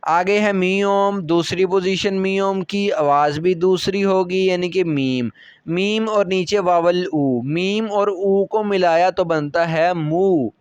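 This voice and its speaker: Male language teacher, Pakistani Urdu accent, high voice, unhurried and patient, clean smooth tone. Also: no echo. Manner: patient, repeats each syllable slowly, frequent checks of understanding. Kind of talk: step-by-step classroom lecture.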